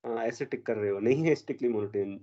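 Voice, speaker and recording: A man's voice: mid-range voice, fast, dark tone, lo-fi sound. A man teaching an exam math problem in a classroom, mixing Hindi with English math terms and quizzing his students.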